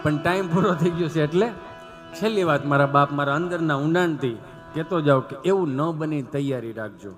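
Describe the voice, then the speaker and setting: A man performing comic storytelling live on stage, animated and constantly turning to the audience as 'sir' with rhetorical asides. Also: fairly high pitch, brisk, soft background music. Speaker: stand-up comedian.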